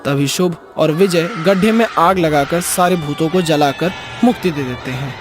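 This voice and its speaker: Casting: male storyteller for cartoon horror, fairly high voice, scripted narration over clearly audible music. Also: moderate pace. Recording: music behind the voice.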